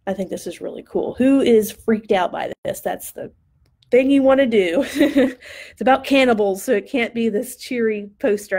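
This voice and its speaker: Tired woman instructor thinking out loud over student designs, chatty, voice cracking a bit, desk mic at home. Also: medium pitch. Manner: chatty, enthusiastic, thinking aloud. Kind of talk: live-stream design critique.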